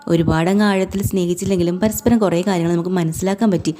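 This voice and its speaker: A woman casually retelling a TV serial episode, briskly walking through each scene and who says what. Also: on the low side, steady tone, mellow. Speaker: TV serial recap narrator.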